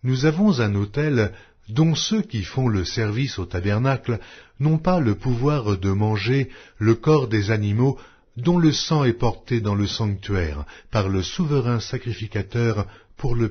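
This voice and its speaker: A man narrating scripture in a solemn, scripted and measured declamatory reading style. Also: mid-range voice, breathy edge. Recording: dull lo-fi recording.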